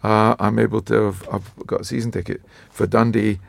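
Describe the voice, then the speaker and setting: A man in his seventies with a croaky voice, a retired football writer telling rambling, self-mocking stories in a casual chat. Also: lowish voice, level tone, fairly quick, no echo. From Scotland. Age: 70s.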